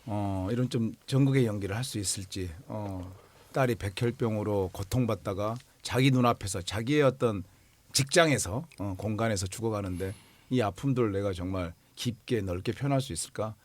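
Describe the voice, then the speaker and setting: A man in his forties, an actor, talking earnestly about a role in an interview, pausing often to find his words. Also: fairly low pitch. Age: 40s. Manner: earnest, searching for words with many fillers. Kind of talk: film promotion interview.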